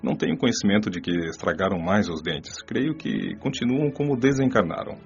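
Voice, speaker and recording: A patient, wise male spirit mentor, acted by a man speaks in a low, calm voice. He explains and preaches gently. The recording is dull and lo-fi, with faint music behind him. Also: fairly quick, vocal fry. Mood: explaining. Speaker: teacher figure. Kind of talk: radio drama acting.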